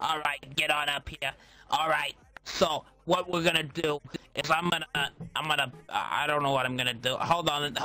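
A man talks in a flat monotone at a fairly high pitch for a man. His pace is fairly slow. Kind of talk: goofy game roleplay. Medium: machinima. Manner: casual, improvising, repeating "alright".

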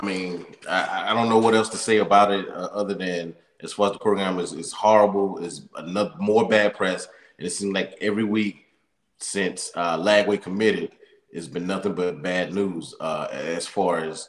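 Against a quiet background with audible room echo, the speaker goes at a moderate pace with fairly even intonation. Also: man, fairly low pitch for a man. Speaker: sports podcast co-host. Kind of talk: casual chat. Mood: frustrated, disappointed. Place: home room. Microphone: video call.

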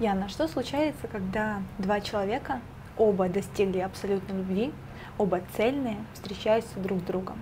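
Moving at a moderate pace, a woman speaks at medium pitch with ordinary pitch variation. Noticeable background noise is present. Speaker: interviewer. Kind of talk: interview. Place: home room.

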